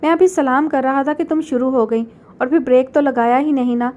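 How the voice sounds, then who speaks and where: A woman's voice: sits high, fairly even intonation, a little fast, a little mellow, highs cut off, close to an everyday voice. A woman reading the part of a chatty, teasing young man in a storybook reading.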